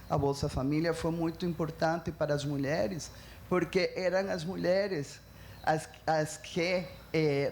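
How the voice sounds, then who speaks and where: A woman's voice: low-pitched, darkish tone, a little hiss or hum. A woman with a Mexican accent speaking as a panelist, earnest and emphatic, with frequent fillers and restarts. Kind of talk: panel talk.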